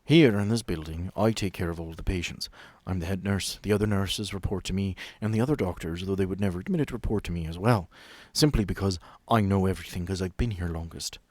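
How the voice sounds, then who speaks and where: A man's voice: low-pitched, fast, a little mellow, dry recording. Man as stern, dry-sounding female head nurse. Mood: curt, haughty. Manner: clipped, authoritative, dismissive. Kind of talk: tabletop horror roleplay.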